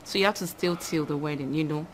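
A teasing, gossipy friend with a low voice, played by a woman, recorded with clear room ambience behind her. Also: quick pace, a little hiss or hum, natural voice, poor audio. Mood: flirty. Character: flirty female friend crushing on a guest.

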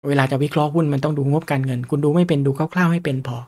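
A man teaches investing in a relaxed, conversational way. His voice sits a little high for a man, and he keeps checking in with his listeners with quick questions. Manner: chatty, asks the audience questions often. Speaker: stock market teacher. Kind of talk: casual lecture on stock charts.

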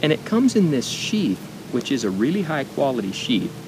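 Halting American man, noisy outdoor recording. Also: sing-song. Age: middle-aged. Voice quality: speech impediment. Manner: halting, with deliberate pauses. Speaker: knife and gear reviewer. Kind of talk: informal product demonstration to camera. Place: outdoors at a picnic table in woods. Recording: outdoor noise with low rumble.

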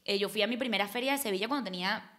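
A woman's voice: mid-range voice, rapid-fire, a bit bright. A woman, a podcast guest talking emphatically in a casual chat, recorded on a desk mic in a small studio. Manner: emphatic, gestures a lot, restarts often. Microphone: desk microphone.

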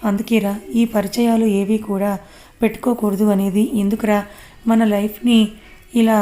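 A woman's voice: medium pitch, flat delivery, moderate pace, mellow, natural voice. A woman voicing a worried young man who scolds and pleads with his friend.

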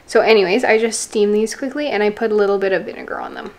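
A woman's voice: medium pitch, quick pace, a little mellow. A woman fitness vlogger chatting casually at home, explaining what she makes as she goes. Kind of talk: casual vlog chat. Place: home kitchen.

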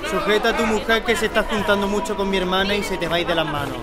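A man's voice: sits high, fairly even intonation, racing, lightly acted. A man with a Spanish accent playing a disapproving, old-fashioned working man in an audio drama. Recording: loud music and crowd.

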